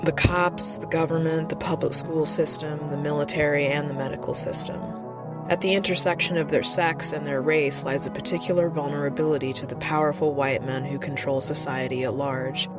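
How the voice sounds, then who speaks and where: A woman presenter reading scripted political commentary in a measured, serious, emphatic way. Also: sits low, fairly even intonation, over loud music. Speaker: radio presenter.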